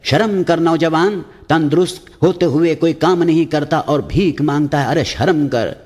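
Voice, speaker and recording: A man's voice: a little high, moderate pace, darkish tone, pitched above the performer's own voice, natural voice. Man doing a stern, scolding cleric. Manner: reproachful, scolding. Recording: long hall reverb.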